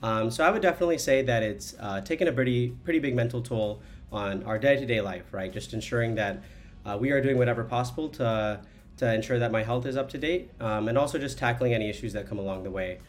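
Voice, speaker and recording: A man's voice: mid-range voice, fast, faint music behind. A man in his twenties talking conversationally in a testimonial interview, with frequent fillers. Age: 20s.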